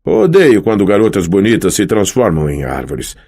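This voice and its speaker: A man's voice: low voice, wildly swooping pitch, normal speed, darkish tone, slightly rough, exaggerated voice. A man reading an audiobook, voicing a boastful, teasing young male sun god in a raised, showy voice. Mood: playful boastful. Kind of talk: audiobook character voice.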